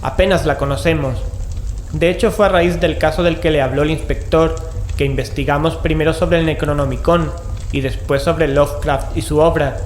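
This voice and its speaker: A man plays a businesslike investigator in a horror audio drama. His voice sits slightly high for a man, and he questions politely and directly. The sound is echoey, with faint background noise. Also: steady tone, moderate pace, close to an everyday voice. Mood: explanatory. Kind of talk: scripted audio drama acting.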